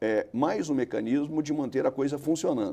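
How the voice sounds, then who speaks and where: A man speaks at a medium pitch with a dark, mellow tone. His intonation is lively and his pace moderate. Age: 60s. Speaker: politician. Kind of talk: televised debate.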